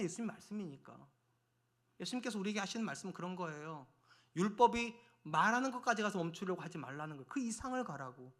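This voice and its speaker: A middle-aged male pastor preaching a sermon in a church, talking directly to the congregation and acting out everyday arguments with his wife. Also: sits high. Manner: animated, acts out quarrels with his wife. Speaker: senior pastor. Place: church sanctuary.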